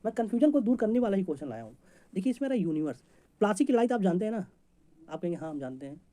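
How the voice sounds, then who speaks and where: Fast-talking male exam teacher. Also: high-pitched, very animated, dark tone. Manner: rapid, chatty, jokey teaching with homely examples. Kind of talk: memory-trick lesson for competitive exams.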